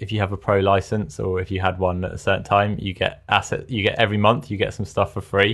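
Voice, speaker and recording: A man with a British accent, talking at a very fast pace. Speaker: podcast host; former university programming teacher. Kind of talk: casual chat.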